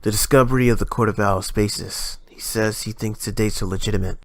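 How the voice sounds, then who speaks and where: An actor playing a frank young crime-fighter in a comic-book audio drama, conversational and wry. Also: male voice, lowish voice, fairly even intonation, brisk, dry recording, natural voice. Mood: probing, casual.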